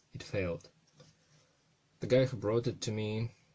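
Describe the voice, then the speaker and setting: A man speaks with a non-native accent and a bright, sharp tone. His pitch varies in an ordinary way. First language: not English. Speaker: electronics repair youtuber. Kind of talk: tutorial. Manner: unscripted, speaking live in English.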